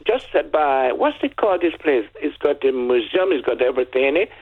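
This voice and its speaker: An older Nigerian man, whose first language is Yoruba, calls into a radio phone-in and tells a story in a lively way, often restarting his sentences. He has a Nigerian accent and a mid-range voice, and he speaks a little fast. The telephone line sounds tinny.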